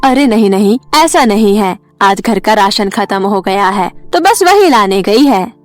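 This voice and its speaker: A woman's voice: medium pitch, lively intonation, a little slow, faint music behind, natural voice. A woman voicing a scheming mother-in-law who keeps making excuses, in a cartoon story. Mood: evasive.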